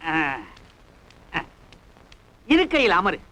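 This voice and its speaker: An actor playing a pompous older professor who speaks in stiff, formal, bookish phrases in a film. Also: male voice, sits high, sing-song, very slow, bright, forceful tone, full character voice, rough recording. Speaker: neighbour professor. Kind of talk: 1980s film acting.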